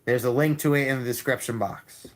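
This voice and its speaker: Male tarot streamer, calm and level delivery, repeats lines, restarts often. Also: mid-range voice, a little fast. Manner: calm, repetitive, with many restarts. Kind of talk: live-stream tarot reading and chat.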